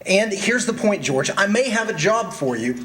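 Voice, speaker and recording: A man's voice: sits high, very animated, normal speed, a bit bright, a little hiss or hum. An actor playing a breezy, boastful young businessman, hearty and slangy in a staged radio drama reading. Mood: boastful, excited.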